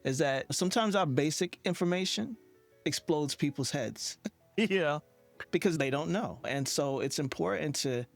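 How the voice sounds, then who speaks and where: A man hosting a podcast interview in a conversational, affirming and reflective way. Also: fairly high pitch.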